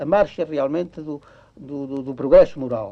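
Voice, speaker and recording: A man speaks with a Beira accent. His pace is moderate. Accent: Beira region Portuguese. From Portugal. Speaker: novelist. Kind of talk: radio interview answer. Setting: old radio broadcast recording. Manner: hesitant, halting.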